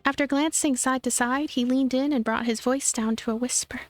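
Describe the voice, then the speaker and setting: A woman with a high-pitched voice narrates a visual novel expressively. Soft game music runs underneath her reading. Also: steady tone, normal speed, no room sound. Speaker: let's play narrator.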